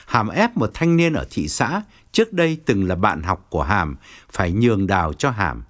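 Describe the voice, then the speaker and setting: A male narrator reads a novel aloud with very lively, sweeping pitch. His delivery is expressive and steady in the manner of an audiobook. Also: moderate pace. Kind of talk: scripted narration.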